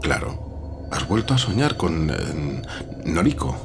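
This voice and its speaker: Very deep, gravelly, rational friend. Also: male voice, sing-song, background noise, heavily acted. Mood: concerned. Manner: measured, questioning, reassuring. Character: calm, rational male editor friend, probing and reassuring. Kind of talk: audiobook horror drama acting. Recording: music bed behind the voice.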